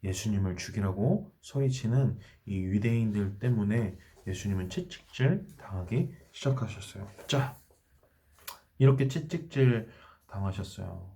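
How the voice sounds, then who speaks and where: A man's voice: fairly low pitch, expressive, a little slow, dark tone, slight background noise. A man preaching a children's sermon, telling the story and asking the children questions as he goes. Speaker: children's pastor.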